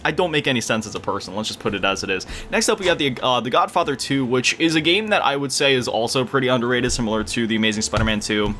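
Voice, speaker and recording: A young man chatting casually about his video game collection, rambling with quick self-deprecating asides. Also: mid-range voice, a bit bright, a little hiss or hum. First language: English. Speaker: gaming YouTuber.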